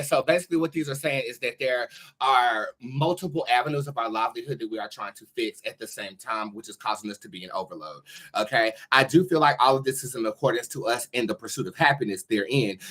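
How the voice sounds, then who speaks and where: An American man hosting a live tarot reading show, talking in sassy, expressive slang with plenty of swearing. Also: medium pitch. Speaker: tarot reader and show host.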